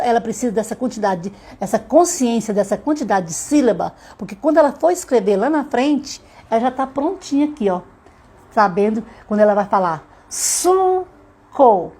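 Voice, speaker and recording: A woman with a Brazilian Portuguese accent, a literacy teacher giving a live online lesson to mothers. She talks to them directly and slows down to sound out words syllable by syllable. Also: medium pitch, a little mellow, husky.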